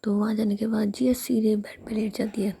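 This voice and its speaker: A woman narrating a romantic story in a soft, steady whisper. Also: medium pitch, fairly quick, gravelly, slightly rough.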